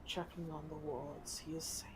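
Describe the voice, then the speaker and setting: A woman voicing a giant, mortally wounded old male dragon in a tabletop game, with a breathy rumble and a slow, solemn, halting delivery. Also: little pitch movement, natural voice. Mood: quiet reassurance.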